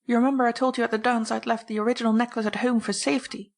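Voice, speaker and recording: A woman voicing an excitable, indignant baroness in an audiobook, emphatic and dramatic. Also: fairly high pitch, very fast, creaky, voice pushed up. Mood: indignant, exasperated.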